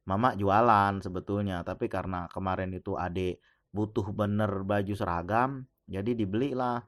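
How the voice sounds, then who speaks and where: A man retelling the words of a poor, quiet and polite teenage boy in soft, hesitant replies. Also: on the low side, fairly even intonation, moderate pace, dry recording, studio quality, lightly acted.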